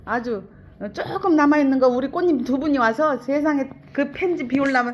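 A chatty middle-aged woman with a slightly high voice runs a plant sale and keeps repeating her words as she speaks warmly to her regular viewers. Faint background noise hums under her voice. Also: moderate pace, muffled recording. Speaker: plant seller hosting a sales stream. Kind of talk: casual sales chat.

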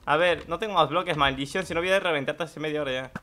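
A young man narrates his match as he plays, pitched a little high with a bright, forceful tone. He swears freely and breaks into sudden excited shouts. Soft keyboard clicks sit faintly in the background. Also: quick pace, slight background noise. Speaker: gaming YouTuber. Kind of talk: live gameplay commentary.

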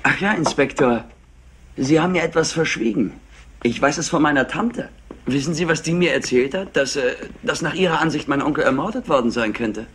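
An actor playing a brainy, cocky young chemist in a crime drama, smug, teasing and self-assured. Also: male voice, a little high, expressive, a little fast, fairly bright tone, a little hiss or hum. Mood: teasing, suspicious. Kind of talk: German crime drama acting.

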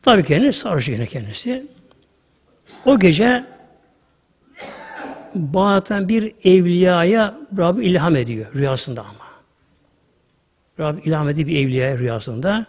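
A male preacher giving a sermon, telling a story with sudden loud rises and hushed asides. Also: on the high side, lively intonation, a little slow, long pauses, husky. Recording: hall reverb.

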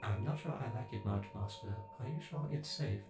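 Man doing a servile house robot, polite, deferential, gravelly low voice, sci-fi ASMR roleplay, echoey. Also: a little fast, lightly acted. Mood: deferential, miffed. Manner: deferential, formal. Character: polite, servile male robot butler with hurt feelings. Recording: echoey, with background music.

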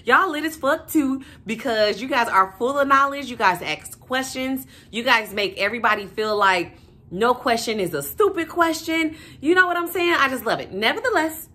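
A young woman talks straight to her viewers in a loose, slangy vlog. Her voice is bright and forward. She is animated, calling everyone y'all and sis. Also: sits high, moderate pace. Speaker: vlogger. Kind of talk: casual vlog chat to camera.

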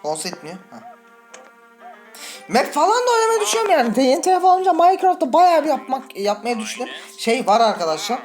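A Turkish-accented woman chatting through a horror game, her voice swinging widely in pitch as she talks and swears. She keeps breaking into startled, high shrieks. Faint game music runs underneath. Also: very animated, fast, darkish tone. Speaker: gaming channel host. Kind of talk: let's play commentary.

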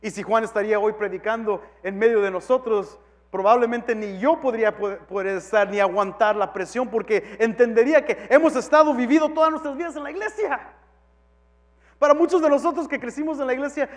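A male pastor preaching a sermon, moving from quiet talk to shouts and dropping English phrases into his Spanish. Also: extremely high pitch, in a large hall.

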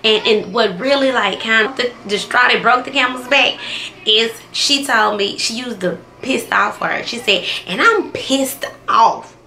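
A woman's voice: on the high side, moderate pace, bright, forceful tone. A young adult woman, a kindergarten teacher, telling a story in a casual, emphatic vlog style with slang. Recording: echoey room with faint ambient noise.

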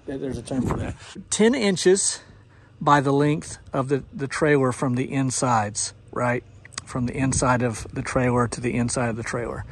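A man's voice: mid-range voice, normal speed, slight background noise. A middle-aged man, a pressure washing business owner, giving a casual, folksy walkthrough of his work trailer outdoors in a driveway, recorded on a body-worn camera. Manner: folksy, explanatory, with fillers. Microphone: action camera worn on the body.

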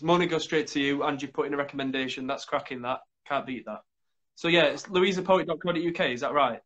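A man in his thirties hosts a relaxed video call chat, talking quickly and eagerly. His voice sits a little high for a man, and he piles on praise in a friendly rush. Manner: quick, enthusiastic and chatty. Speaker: host. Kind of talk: casual chat.

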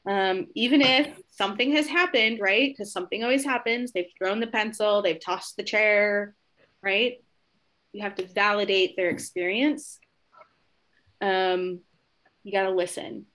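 A woman giving a conversational training webinar to educators, encouraging and warm, often checking in with "right?" and acting out short exchanges with children. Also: medium pitch, measured pace.

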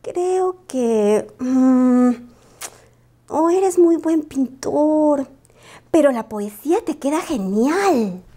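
A woman voicing a sweet young female wolf in a storybook, speaking gently and hesitantly. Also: very high-pitched, animated, takes it slowly, voice pushed up, full character voice. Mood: gentle.

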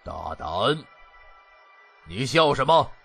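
A man's voice: mid-range voice, sing-song, slow, vocal fry, fairly bright tone, slightly rough, faint music behind, heavily acted. An actor playing a stern, wrathful king of an ancient realm, commanding and imperious, in an audio drama. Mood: angry.

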